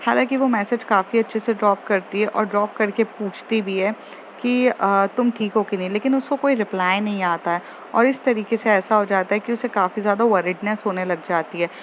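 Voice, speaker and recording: A woman's voice: medium pitch, a little fast. A woman narrating a love story in a casual, chatty way, often restarting her sentences. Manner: chatty, with many fillers and restarts. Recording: slightly muffled, faint hiss.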